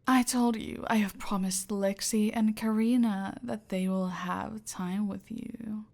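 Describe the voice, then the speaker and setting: A woman voicing a cold, controlling female cartel boss in an ASMR roleplay, giving slow, deliberate orders, often in a whisper. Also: medium pitch, fairly even intonation, gravelly, a little mellow. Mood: silky, menacing.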